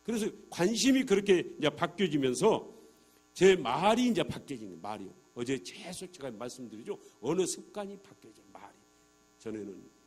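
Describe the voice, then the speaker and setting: A man's voice: mid-range voice, slightly rough. A middle-aged man, a church elder, giving an evangelistic testimony sermon to a congregation, acting out conversations and asking the listeners rhetorical questions. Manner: animated, acts out dialogues in quoted voices. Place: church sanctuary.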